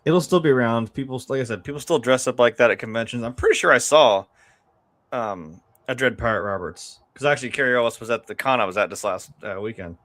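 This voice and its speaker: A man's voice: medium pitch, a little fast, a bit bright. A man chatting casually about films as a co-host, in a conversational way with trailing asides. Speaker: film review show co-host.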